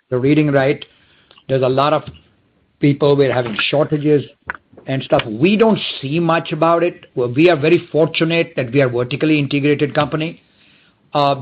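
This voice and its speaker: A man speaking as a company executive, giving unscripted answers on a dull, slightly noisy conference call. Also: a little high. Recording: dull call audio with clicks, typing noise.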